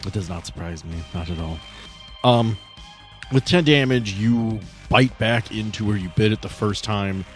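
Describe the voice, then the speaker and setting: Low-pitched man running a tabletop game. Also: moderate pace, soft background music. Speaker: game master. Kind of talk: narrating a tabletop horror game.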